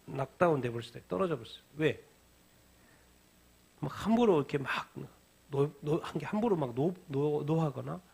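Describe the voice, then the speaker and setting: Male pastor, middle-aged, gravelly and a touch high; question-and-answer sermon style, repeats his points. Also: a little mellow. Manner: asks the congregation questions and answers them himself; repeats key phrases for emphasis. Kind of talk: midweek Bible-reading sermon. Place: church sanctuary.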